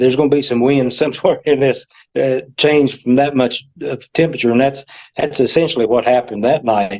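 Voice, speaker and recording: At a fairly quick pace, the speaker talks with an Appalachian accent and fairly even intonation. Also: man. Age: 60s. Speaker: tornado survivor. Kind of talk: interview testimony. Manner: halting.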